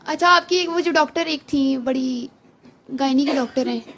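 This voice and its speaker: A woman's voice: high-pitched, moderate pace, a crowd in the background. A woman casually recounting a personal testimony, chatty and laughing, quoting what she said. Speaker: guest giving testimony. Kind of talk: casual storytelling.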